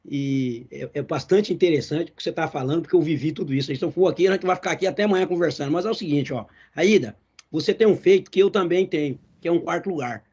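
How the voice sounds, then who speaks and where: A talkative Brazilian man in his fifties interviews a guest, calling himself a loudmouth. His voice is high and husky. The recording sounds dull and lo-fi. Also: fast talker. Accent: Brazilian Portuguese. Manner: talkative, self-described loudmouth. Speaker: interviewer, former Olympian. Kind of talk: interview questions.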